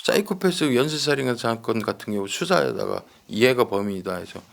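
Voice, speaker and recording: A man's voice: medium pitch, lively intonation, a little fast, vocal fry. A man giving conversational true-crime commentary like a seasoned investigator, explaining emphatically, repeating points and seeking agreement.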